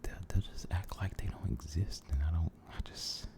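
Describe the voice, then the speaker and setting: A man giving a soft-spoken, mostly whispered ASMR ramble, halting and gentle, repeating his phrases, close to the microphone. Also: deep voice. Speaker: ASMR video creator.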